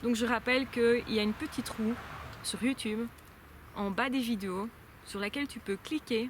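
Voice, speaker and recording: Moderate pace and fairly even intonation from a woman with a fairly high pitch. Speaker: vlogger. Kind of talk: casual vlog monologue.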